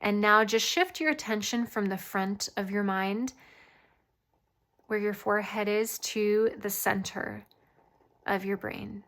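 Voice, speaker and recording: A woman host giving a casual channeled spiritual reading, often pausing mid-thought as if listening. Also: mid-range voice, fairly bright tone. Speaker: tarot reader and channeler, host.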